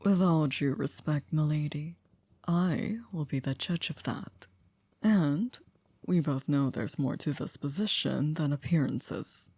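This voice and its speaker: A woman playing a stern, dry chief maid in an ASMR roleplay, speaking in a formal, measured, reproachful way. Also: low-pitched, a little mellow, breathy edge, no echo, heavily acted. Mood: polite reproach.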